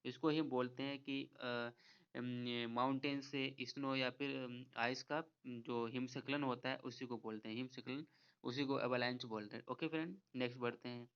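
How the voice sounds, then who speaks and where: A man teaching an exam-prep vocabulary lesson, explaining each word slowly, repeating himself and asking viewers to guess. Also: mid-range voice, fairly even intonation, clean tone. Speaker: English teacher. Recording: slightly dull lo-fi audio.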